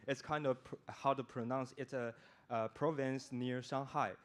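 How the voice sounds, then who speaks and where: A young man from China, introducing himself casually and haltingly, with many fillers and restarts. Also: medium pitch, fairly even intonation.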